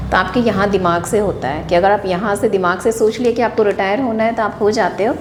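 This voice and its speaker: A woman's voice: medium pitch, brisk. A woman hosting an interview, summing up what her guest says and asking curious follow-up questions. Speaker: host. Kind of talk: conversational interview. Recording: echoey room with faint noise.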